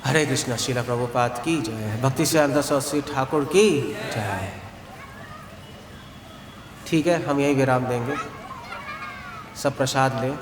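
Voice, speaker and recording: A man, a monk giving a calm, explanatory devotional talk and mixing English words into his Hindi. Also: medium pitch, measured pace, long pauses, noisy background. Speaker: monk and spiritual teacher. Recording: echoey outdoor space with long reverb, faint ambience.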